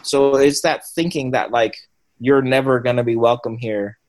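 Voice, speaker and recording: A man's voice: medium pitch, fairly even intonation, normal speed, a little mellow, rough recording. A young man giving an interview, speaking thoughtfully with frequent ums and restarts. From Washington State and Cambodia. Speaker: guest. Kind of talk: conversational interview.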